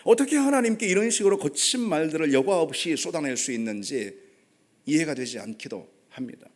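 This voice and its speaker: Male pastor, sermon, highish lively voice, dramatic delivery; middle-aged. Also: brisk. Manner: dramatic, acts out impassioned quoted prayers.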